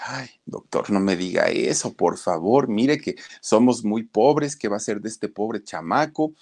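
A man's voice: lowish voice, unhurried, darkish tone. A man voicing a poor, desperate pregnant woman who begs for help. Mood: pleading. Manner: pleading, begging.

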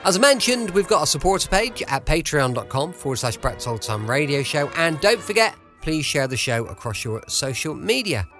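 A man's voice: a little high, big pitch swings, moderate pace, few pauses, fairly bright tone, soft background music. A man hosting an old-time radio podcast, signing off in a friendly, upbeat way. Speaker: podcast host. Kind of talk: casual podcast sign-off.

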